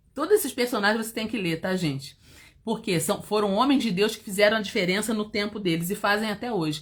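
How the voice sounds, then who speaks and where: A woman with a Brazilian accent, fairly high in pitch and somewhat breathy, at a very fast pace with big swings in loudness. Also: ordinary pitch variation. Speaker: Bible teacher. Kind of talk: livestream Bible teaching.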